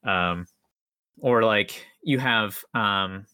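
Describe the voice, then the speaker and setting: A man's voice: on the low side, very slow, sharp tone, smooth, no echo. A young man podcast co-host chatting casually in an enthusiastic, rambling, slangy way. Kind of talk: casual chat.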